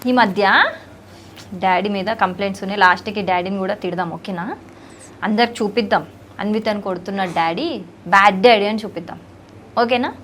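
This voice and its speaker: A woman with a Telugu accent interviews a young child, teasing and affectionate, firing off animated questions. Her medium-pitched voice moves a little fast with long pauses, and there's slight background noise.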